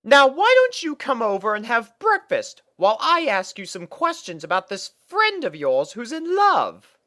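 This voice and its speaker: A prim, genteel lady pony from a storybook cartoon, acted by a woman. The delivery is theatrical and fussy, lifted well up in pitch. Every phrase swoops like an elder sister making a drama. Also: huge pitch swings, moderate pace, a bit bright. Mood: coaxing.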